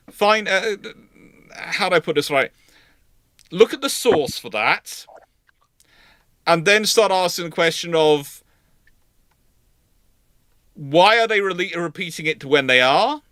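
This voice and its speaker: Male history host, forceful and slightly high-pitched, informal, self-correcting, given to emphatic repetition. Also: expressive, a little slow, long pauses, no echo. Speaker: host of a live history discussion. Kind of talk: informal live discussion of history.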